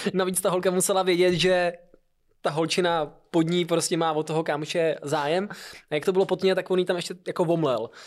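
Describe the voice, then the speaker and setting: Fairly quick speech with fairly even intonation. The recording is very clean with a silent background. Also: man, high pitch for a man. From eastern Bohemia, Hradec Králové. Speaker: podcast host. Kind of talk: casual chat.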